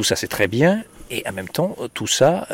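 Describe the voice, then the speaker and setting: A man speaks with lively intonation. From Italy. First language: Italian (speaking French). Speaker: sociologist and professor. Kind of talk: interview conversation. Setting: outdoors in a garden. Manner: hesitant with fillers.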